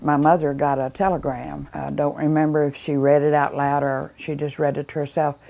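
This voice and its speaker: Low, mellow older American woman. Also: little pitch movement, fairly quick, creaky. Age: 70s. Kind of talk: recollection in news interview.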